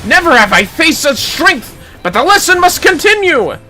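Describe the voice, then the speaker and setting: A man's voice: extremely high pitch, sing-song, normal speed, sharp tone, faint music behind, pitched above the performer's own voice, exaggerated voice. A man voicing an earnest, eager young swordsman from a fantasy game, speaking in formal, archaic, valiant phrases.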